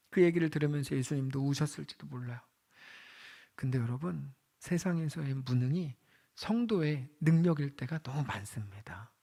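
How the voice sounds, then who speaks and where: A male pastor preaching a sermon in a conversational way, asking the congregation questions and swinging from loud exclamations to hushed lines. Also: on the high side.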